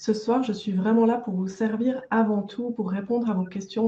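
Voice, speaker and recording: Soft-spoken and somewhat breathy, a woman with a Swiss accent speaks at a fairly slow pace and a fairly high pitch, her intonation fairly even and her tone dark and mellow. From Switzerland. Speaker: energy therapist. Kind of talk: webinar talk.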